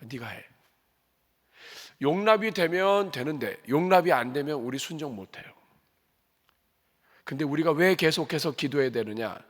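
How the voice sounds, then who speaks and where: Male pastor, slightly high voice, animated preaching with rhetorical questions, long church reverb. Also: moderate pace, pauses often. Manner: acts out prayers and God's commands in quoted voices. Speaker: senior pastor. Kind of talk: Sunday afternoon sermon. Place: church sanctuary.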